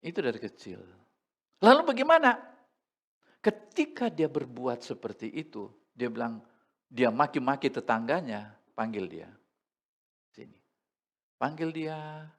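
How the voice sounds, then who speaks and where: Male pastor, gravelly voice, lively pitch, conversational sermon with humor. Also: unhurried, pauses often. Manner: conversational preaching with humor and asides to the congregation. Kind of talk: Sunday sermon. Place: church service.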